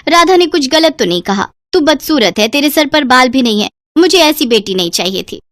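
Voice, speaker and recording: A woman's voice: high voice, sing-song, brisk, a bit bright, dry recording, studio quality. A woman voicing a harsh, scornful mother who taunts her daughter in a cartoon story. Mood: taunting.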